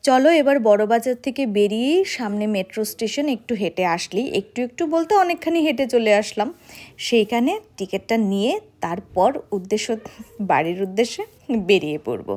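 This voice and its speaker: A woman's voice: mid-range voice, animated, brisk, darkish tone. A young woman from Tripura, India, chatting through a casual vlog voice-over in a personal, thinking-aloud way. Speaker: vlogger.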